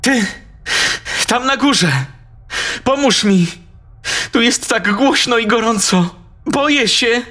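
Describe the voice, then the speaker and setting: Guy putting on a high panicky trapped woman, pleading, slow. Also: bright, forceful tone, heavily acted. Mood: terrified. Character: frightened trapped young woman screaming for help.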